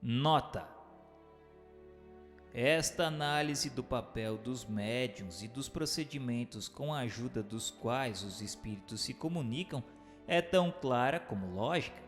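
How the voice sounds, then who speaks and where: A man narrates at a middling pitch, with music behind him. His reading is formal and measured, like a teacher setting out a scripted text for radio.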